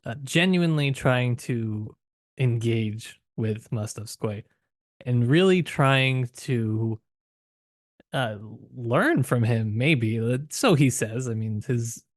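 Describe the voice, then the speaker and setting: A man hosting a podcast, talking casually about literature in a halting, thinking-aloud way with trailing qualifications. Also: medium pitch, lively intonation, no room sound, studio quality. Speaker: podcast host.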